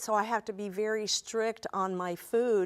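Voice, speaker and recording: A medium-pitched woman's voice in a monotone, flat intonation, on a very clean recording with a silent background. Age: 60s. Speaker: cooking show guest chef. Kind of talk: casual chat.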